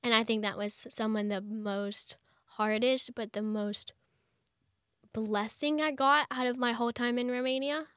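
A young woman, a chatty interview guest who talks fast with lots of fillers. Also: on the high side, steady tone, a bit bright, clear, resonant tone, no echo, clean studio sound. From United States. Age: young adult. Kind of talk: conversational interview.

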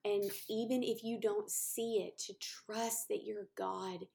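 A woman's voice: medium pitch, fairly even intonation, slow pace, creaky, dark tone. Woman hosting a faith podcast, talks from the heart, lots of ums and repeats. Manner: heartfelt, repetitive phrasing, many fillers. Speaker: podcast host. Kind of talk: encouraging podcast talk.

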